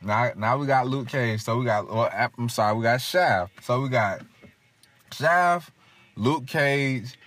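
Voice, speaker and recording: A man's voice: medium pitch, unhurried, a bit bright. Joking man with African American English. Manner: joking, storytelling, profane. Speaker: podcast guest. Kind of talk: casual chat.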